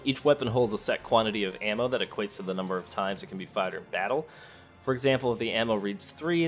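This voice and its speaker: A man giving casual gameplay commentary, thinking aloud and talking to the characters as he plays. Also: fairly low pitch. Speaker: let's play host. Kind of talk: casual gameplay commentary, sometimes reading game text aloud.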